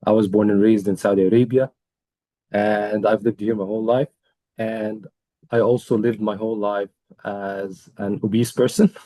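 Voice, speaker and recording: A young man from Egypt, a coaching client telling his story in an interview, earnest and measured, with many pauses and fillers. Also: lowish voice, a little mellow, no room sound. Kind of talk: testimonial interview.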